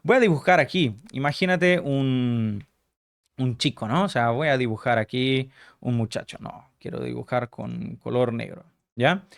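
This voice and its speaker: A man's voice: mid-range voice, a little slow, creaky. A man teaching as a Christian recovery coach, explaining step by step at a drawing board, repeating key phrases and often checking that listeners follow. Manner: earnest, keeps checking understanding with short tag questions.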